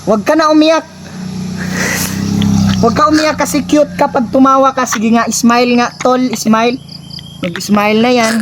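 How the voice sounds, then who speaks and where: A man's voice: very high-pitched, steady tone, moderate pace, long pauses, background noise. A man vlogging a prank, scolding someone in mock anger and then coaxing and apologizing. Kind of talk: casual prank vlog.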